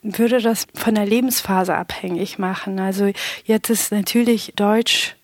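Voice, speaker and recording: A woman's voice: mid-range voice, fairly even intonation, a little slow, dry recording, studio quality. A woman in her thirties whose first language is Pashto, a podcast guest talking things through thoughtfully with the odd hesitation. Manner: thoughtful, explains at length with occasional hesitations. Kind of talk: casual podcast conversation.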